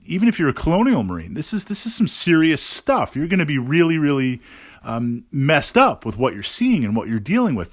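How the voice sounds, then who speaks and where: A man's voice: medium pitch, a bit bright, no echo. Man thinking aloud in a dry, close recording. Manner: thinking aloud, halting, repeats words for emphasis. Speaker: tabletop gaming blogger and podcast host. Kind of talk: casual podcast monologue reviewing a game.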